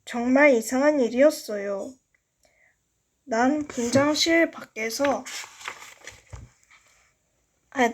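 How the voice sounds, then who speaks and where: A high-pitched woman reads a story aloud at an unhurried pace. She is an amateur narrator who takes care over each sentence. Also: a little mellow. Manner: slow, careful reading with stumbles. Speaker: amateur audiobook reader. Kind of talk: reading a novel aloud.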